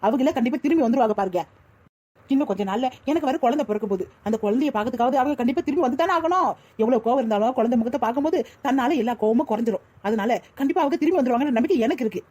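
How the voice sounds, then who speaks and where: A woman voicing an earnest young pregnant wife in a cartoon, calmly reassuring others in a Tirunelveli Tamil accent. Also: high-pitched, racing. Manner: reassuring, reasoning. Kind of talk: cartoon voice acting.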